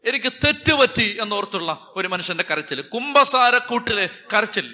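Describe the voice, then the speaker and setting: A man's voice: high voice, lively intonation, moderate pace, pushed and bright. A man with a Malayali accent, a Catholic priest preaching a sermon with emphatic, repeating phrases.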